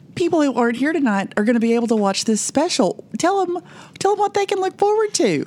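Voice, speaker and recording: Against noticeable background noise, a woman with an American accent talks at a very fast pace and a high pitch, her pitch swinging very widely while her loudness stays very even. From US South, East Tennessee (Sevier County). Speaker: podcast host, music journalist. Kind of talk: interview; scripted narration.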